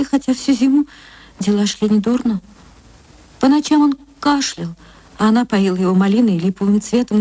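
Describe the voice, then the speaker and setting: A woman narrating a classic story in a gentle, measured literary reading. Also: fairly high pitch, no echo.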